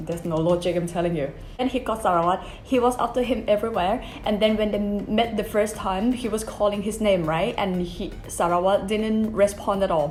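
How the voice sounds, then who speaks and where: A woman with a Thai accent speaks at a fairly quick pace, her medium pitch showing ordinary variation. The room echoes audibly and background noise is noticeable. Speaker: YouTuber, drama recapper. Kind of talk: casual video recap. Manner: casual, hesitant English.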